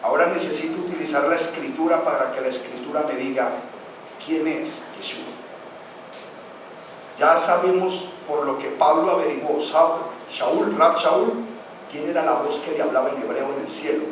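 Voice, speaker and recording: A man's voice: on the high side, moderate pace, background noise. A man teaching a sermon-style Bible class, explaining step by step and asking his listeners rhetorical questions. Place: church hall. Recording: very echoey room, mic far from the speaker.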